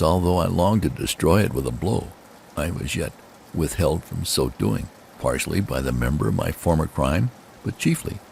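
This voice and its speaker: Male narrator for gothic horror, heavy gravelly creak, theatrical swings in pitch, deliberate phrasing, faint noise behind. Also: a little mellow. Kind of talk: dramatic scripted narration of a gothic horror story.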